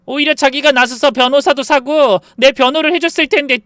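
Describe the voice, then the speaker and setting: Man doing a spiteful young sister-in-law, shrieking, high bright voice, dry close sound. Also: expressive, normal speed, clear, resonant tone, dry recording, heavily acted. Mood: shrill fury. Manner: shrieking and pleading by turns.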